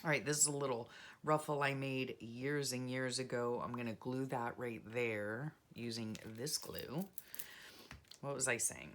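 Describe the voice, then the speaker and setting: A woman vlogger chatting casually and rambling softly while she works on a journal craft. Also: very deep voice, fairly even intonation, unhurried. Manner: soft-spoken, rambling, self-deprecating, many fillers. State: frog in her throat.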